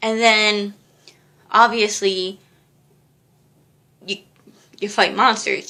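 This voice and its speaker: The woman's tone is bright and sharp, at medium pitch. Her intonation is monotone and flat, and her pace is fairly slow. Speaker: video game vlogger. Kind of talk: casual talk to camera. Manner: hesitant, stuttering.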